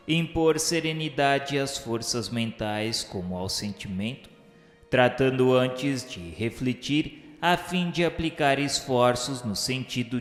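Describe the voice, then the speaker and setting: Radio novel narrator, male actor as a mournful Brazilian male spirit; stately, unhurried literary delivery, mid-pitched, in a long reverb. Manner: grave, declamatory, measured literary diction. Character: solemn, sorrowful male spirit recounting his afterlife trials. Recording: echoey reverberant voice over music. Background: music.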